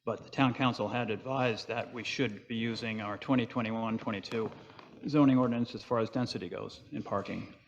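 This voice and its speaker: A man's voice: lowish voice, steady tone, fairly quick, slight background noise. A man chairing a town planning board meeting, walking through motions and votes in a plain, procedural way. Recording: dull audio in a reverberant meeting hall.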